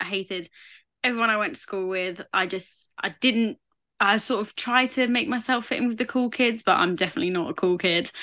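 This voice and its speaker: In a quiet setting, a woman talks fairly quickly with a fairly high, bright, sharp tone and ordinary pitch variation. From England. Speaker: new mother sharing birth story. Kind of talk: casual chat.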